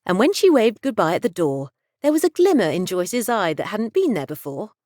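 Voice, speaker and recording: A woman narrating audiobooks in an expressive, scripted storytelling style. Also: medium pitch, normal speed, no echo, studio quality.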